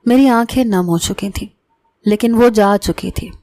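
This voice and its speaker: A woman narrating an emotional family story in the first person, in a steady, earnest storyteller manner. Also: mid-range voice, no echo.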